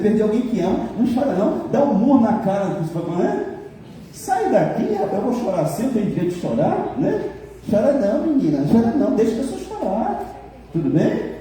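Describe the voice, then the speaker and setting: A male pastor preaching a lively sermon, joking and keeps asking the congregation for amens. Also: fairly high pitch, a little hiss or hum. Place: large church hall. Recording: echoey hall from far off.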